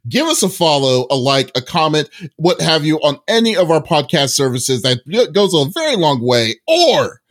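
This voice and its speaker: A man's voice: a little high, big pitch swings, moderate pace, few pauses, a bit bright. A man hosting a podcast in casual chat, often repeating his words and phrases. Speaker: podcast host.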